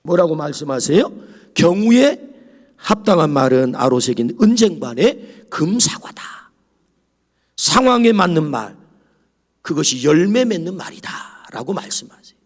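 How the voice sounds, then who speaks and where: A man preaching a sermon as pastor, lively and dramatic, dropping to whispers for quoted lines. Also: on the high side, normal speed. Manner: animated preaching, whispering asides and acting out quoted voices. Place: church sanctuary. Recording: long church hall reverb.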